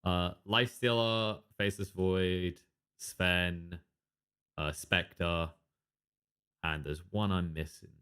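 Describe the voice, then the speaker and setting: Deep-voiced male esports caster. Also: fairly even intonation, sharp tone, smooth. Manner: chatty, quick asides, filler-heavy. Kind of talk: live game commentary.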